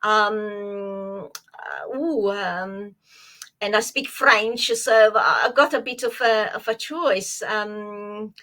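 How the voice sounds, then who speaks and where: A woman's voice: medium pitch, takes it slowly, sharp tone. A woman from Italy, a psychologist and former dancer, answering interview questions hesitantly with many fillers and restarts. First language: Italian.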